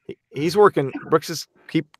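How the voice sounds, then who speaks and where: A man's voice: fairly high pitch, moderate pace, a little mellow, no room sound, clean studio sound. A man hosting a podcast, chatting casually with his co-hosts and often fumbling for words. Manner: rambling, friendly, loses his words. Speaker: podcast host. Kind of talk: casual group chat over mics.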